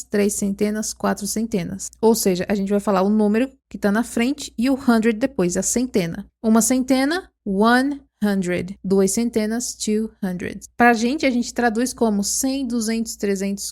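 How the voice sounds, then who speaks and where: A woman whose first language is Portuguese guides learners through an English lesson with a fairly high voice. She explains in a friendly way and asks the listener questions. She draws the English number examples out slowly so that each sound comes through. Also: darkish tone. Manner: slow, drawn-out model pronunciations of English numbers. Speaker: English teacher.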